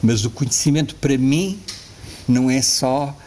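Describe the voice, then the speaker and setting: A man in his sixties with a European Portuguese accent is a guest in a casual interview, speaking reflectively. He often restarts his sentences and laughs softly. His voice is mid-range at a moderate pace, with slight background noise.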